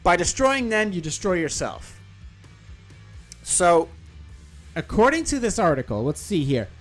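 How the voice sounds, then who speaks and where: A man's voice: sits high, big pitch swings, measured pace, soft background music. Sarcastic, profane male podcast host. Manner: sarcastic, profane, rambling with self-corrections. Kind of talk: casual commentary, reading an article aloud.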